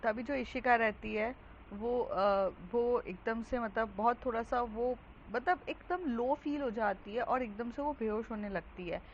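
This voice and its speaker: A woman's voice: on the high side, normal speed, few pauses. A woman narrating a romance story in a casual, conversational way, with frequent fillers. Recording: dull lo-fi with faint hiss.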